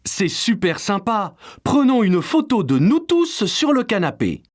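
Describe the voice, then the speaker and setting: A woman playing a cheerful grown-up in a dubbed cartoon, speaking in a very expressive, sing-song way. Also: medium pitch, measured pace. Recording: cartoon soundtrack with music beneath.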